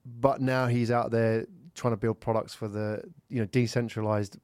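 A man's voice: mid-range voice, flat delivery, normal speed, a little mellow, no echo. A man in his forties hosting an interview, chatting casually, with fillers and friendly prompts. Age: 40s. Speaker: podcast host.

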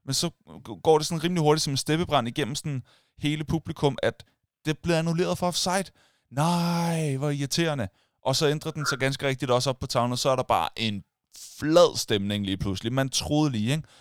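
A man co-hosting a casual chat, telling a story with energy and acting out the shouts of others. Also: on the high side, clean tone, no room sound, studio quality. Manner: animated storytelling, acts out crowd shouts.

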